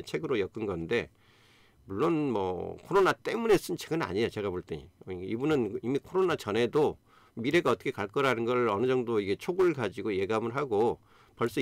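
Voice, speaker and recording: Talking earnestly and with encouragement, a YouTube host in his fifties chats casually on a live stream, using many fillers. His voice is mid-range with vocal fry, and there's no echo.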